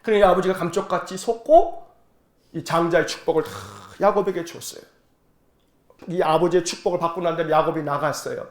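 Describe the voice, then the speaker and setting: A man preaching a sermon as pastor, telling the story in lively colloquial speech and leading the congregation in repeating lines. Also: on the high side, brisk. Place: church sanctuary. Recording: echoey church sanctuary.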